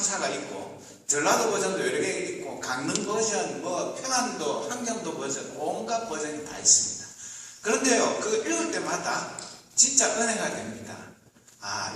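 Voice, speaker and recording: A man in his fifties, a pastor delivering a measured Sunday sermon with frequent hesitant fillers. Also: on the high side, bright, forceful tone, far from the mic, slight background noise. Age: 50s. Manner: measured preaching with hesitant fillers, rising for emphasis. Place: church sanctuary. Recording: echoey hall, recorded from afar.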